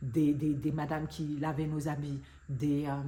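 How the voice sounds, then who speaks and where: A woman's very deep, low voice at a moderate pace. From Mauritania, raised in Central African Belgian schools. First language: non-French (Mauritanian/Senegalese language) (speaking French). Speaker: YouTuber and podcaster. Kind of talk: casual storytelling vlog. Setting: sitting on the floor of her living room. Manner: hesitant, many fillers and repetitions. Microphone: microphone problems, sound quality worries.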